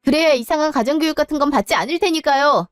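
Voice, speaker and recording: A woman's voice: sits high, quick pace, no echo, clean studio sound, lightly acted. A woman voicing a cold, defiant young daughter-in-law in an audio drama.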